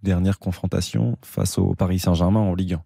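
Fast, low-voiced man in lively sports commentary. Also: gravelly, breathy edge, no room sound, studio quality. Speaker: sports pundit on a radio show.

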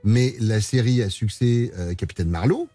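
A man from southwest France hosting a playful radio talk show, teasing his guests with quick jokey asides. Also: fairly low pitch, warm tone, no room sound, soft background music. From southwest France, near La Rochelle. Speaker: radio host. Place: radio studio.

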